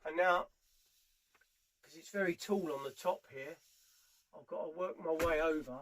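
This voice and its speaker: A British man with a slightly high voice talks through a practical job. He explains each step informally, in the unscripted way of a tradesman showing his work to a camera as he goes. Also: normal speed, a bit bright. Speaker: furniture polisher giving a how-to demonstration. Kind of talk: casual hands-on tutorial narration. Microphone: camera mic on a tripod, at varying distance.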